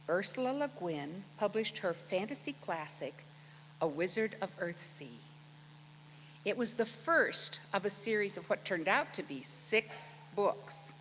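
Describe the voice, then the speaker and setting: A woman's voice: medium pitch, fairly bright tone. American woman speaking in a reverberant hall. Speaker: library event host introducing an author. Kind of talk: prepared introduction speech to an audience. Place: large auditorium with long reverb. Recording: reverberant hall, clear background hum.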